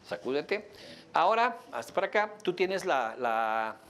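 A man with a Mexican Spanish accent leading a live workshop demonstration for an audience, explaining in a lively, joking way and laughing often. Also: a little high, unhurried. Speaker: workshop instructor. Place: training room with an audience.

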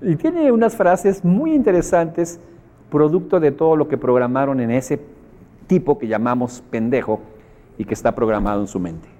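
A man with a Mexican accent delivers a motivational seminar talk to a group in a warm, expressive voice pitched on the high side, at a normal pace. His style is colloquial and emphatic; he repeats phrases for effect and poses questions to the audience.

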